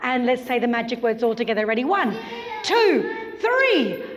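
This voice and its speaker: A woman's voice: a little high, very animated, moderate pace. A woman performing as a kids party magician, talking to children with theatrical, exaggerated wonder and sing-song prompting. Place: large indoor school sports hall. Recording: echoey sports hall, faint noise, children's crowd. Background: children in the audience.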